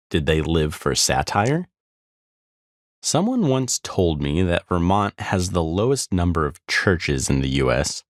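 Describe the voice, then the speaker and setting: A man's voice: sits low, no echo, clean studio sound. A man reading his own travel memoir as scripted audiobook narration.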